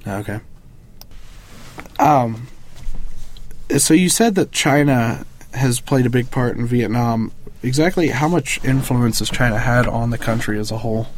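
A man with an average-pitched voice conducts an informal interview. He frames his questions tentatively, with small pauses along the way. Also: a little hiss or hum. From United States.

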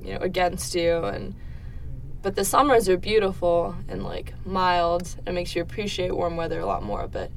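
A young adult woman giving casual answers as an interviewee in a relaxed conversational interview. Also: fairly low pitch, moderate pace. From Netherlands. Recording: faint background noise.

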